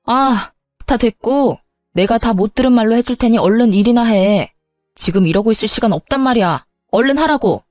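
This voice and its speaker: A spoiled, entitled sister-in-law, played by a woman, bickering in a whiny, indignant voice pitched a bit high. The sound is dry and close, with faint music running beneath. It fits a dramatized family-feud story reading. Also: normal speed, a little mellow, dry recording, lightly acted.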